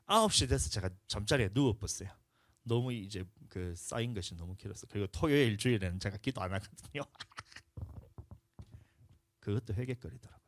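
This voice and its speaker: A male pastor preaching a sermon, telling a personal story with emotion, moving between hushed confession and loud, urgent pleading. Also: fairly low pitch, no room sound. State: tired from lack of sleep. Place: church sanctuary.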